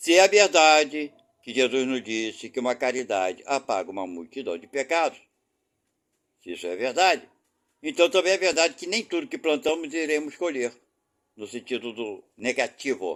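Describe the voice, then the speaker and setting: A man speaks at a moderate pace and a fairly high pitch, with very wide pitch swings, big swings in loudness and long, frequent pauses. The recording is very clean, with a silent background. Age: 60s. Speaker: spiritist study channel host. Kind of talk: religious study commentary. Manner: animated; halting.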